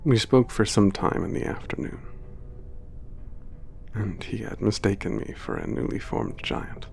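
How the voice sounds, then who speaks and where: A man playing an old, gentle, reflective giant, speaking in a measured, formal way as in an ASMR letter home. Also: on the low side, sing-song, vocal fry, faint music behind, exaggerated voice. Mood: wistful, measured. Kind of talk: ASMR letter narration and roleplay.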